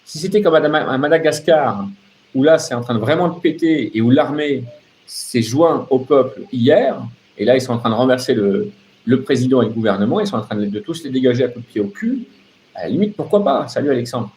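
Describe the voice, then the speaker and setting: A man's voice: mid-range voice, animated, a little fast, darkish tone, a little hiss or hum, rough recording. A man delivering an off-the-cuff political rant as a live open-line host, sardonic and emphatic, repeating phrases and throwing out rhetorical questions.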